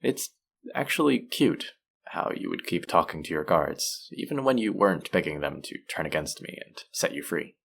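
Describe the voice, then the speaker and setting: A man playing a suave, manipulative supervillain in an intimate audio roleplay, measured and teasing, softly menacing yet tender toward his captive. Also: sing-song, heavily acted. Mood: amused, soothing. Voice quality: low, creaky voice.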